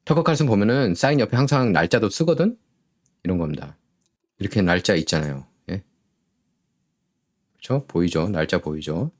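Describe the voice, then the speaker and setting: A man's voice: low voice, lively intonation, moderate pace, pauses often. A man hosting a solo political commentary show, sarcastic and full of rhetorical questions.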